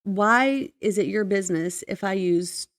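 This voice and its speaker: A woman's voice: medium pitch, unhurried, no echo, studio quality. An American woman co-hosting a podcast in casual chat, matter-of-fact and opinionated as she airs her complaints. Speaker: podcast co-host.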